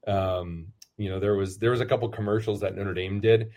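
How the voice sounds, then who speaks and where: Low-voiced priest chatting casually. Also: male voice, steady tone, fairly quick, warm tone. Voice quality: lower voice. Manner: rambling, self-deprecating, many fillers and restarts. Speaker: priest and football chaplain. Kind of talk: casual interview answers.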